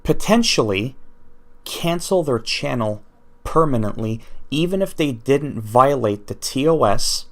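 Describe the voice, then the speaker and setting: A man's voice: medium pitch, lively intonation, measured pace. A man whose first language is French, ranting off the cuff in an unscripted vlog commentary and thinking aloud as he goes. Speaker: YouTuber.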